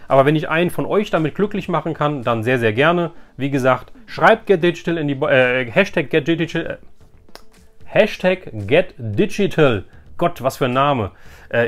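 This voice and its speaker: A man hosting a casual, unscripted vlog, thinking aloud and addressing his viewers directly in colloquial language. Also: fairly high pitch. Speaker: YouTube host reviewing an unboxed loot box.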